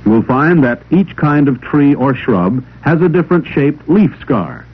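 A man reading scripted instructional narration for a 1950s classroom film in a measured, didactic way. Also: fairly high pitch, lively intonation, slightly rough. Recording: old 16mm film soundtrack, narrow telephone-like band.

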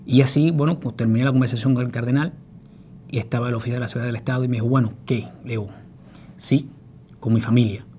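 A man's voice: mid-range voice, fairly even intonation, fast talker, mellow, a little hiss or hum. A middle-aged man with a Cuban Spanish accent, giving earnest personal testimony and acting out other people's words. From Cuba. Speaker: former political prisoner recounting his story.

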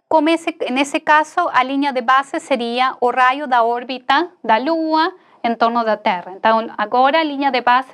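A woman in her thirties lecturing in Spanish-accented Portuguese, a native Spanish speaker mixing in Spanish words and pausing hesitantly as she explains. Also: fairly high pitch. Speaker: astronomy lecturer. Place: indoor lecture studio beside a large screen.

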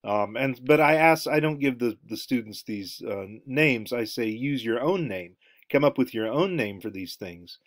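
A man's voice: medium pitch, animated, normal speed, no room sound, studio quality. A middle-aged man giving a recorded anthropology lecture over slides from home, talking in a rambling way with many ums and uhs. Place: home room, indoors.

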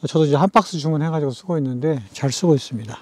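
A man chatting casually to viewers as a camping vlogger, talking things through in an unhurried, thinking-aloud way. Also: on the high side, darkish tone, dry recording. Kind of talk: casual vlog chat.

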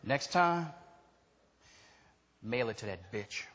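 An actor playing a suspicious, domineering husband in a stage play, mocking and confrontational. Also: male voice, mid-range voice, big pitch swings, slow, a bit bright. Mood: hostile, threatening. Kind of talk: theatrical stage play acting. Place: stage in a theatre hall. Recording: echoey theatre hall, faint noise.

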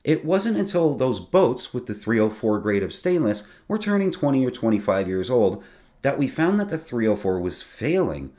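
A man's voice: mid-range voice, normal speed. A man in his forties hosting a sailing channel, explaining boat technicalities to camera in a casual, conversational way from a small home studio. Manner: lively, conversational, explains technical detail plainly.

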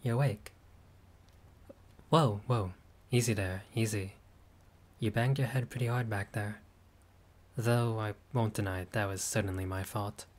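A friendly young vampire, performed by a man, chats with his guest in a playful, showy way. His voice sits slightly low and relaxed. It is a scripted audio roleplay. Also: a little slow, long pauses. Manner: warm, chatty, playful.

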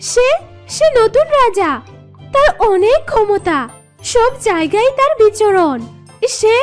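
A woman's voice: very high-pitched, lively intonation, slow pace, soft background music, exaggerated voice. A woman voicing a naive, timid little mother bird in a children's cartoon, pleading and childlike, tripping over words. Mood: nervous, pleading.

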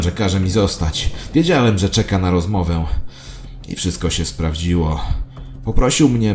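A man's voice: low-pitched, a little mellow, lightly acted. A man playing a grandiose, paranoid conspiracy believer who solemnly narrates his own story in an audio drama. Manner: solemn, theatrical, self-important. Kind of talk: dramatic first-person scripted narration.

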